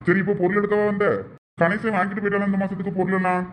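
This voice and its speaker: A man with a Thoothukudi Tamil accent playing a brisk shopkeeper in an amateur village drama. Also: high-pitched, monotone, a little hiss or hum. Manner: brisk, businesslike.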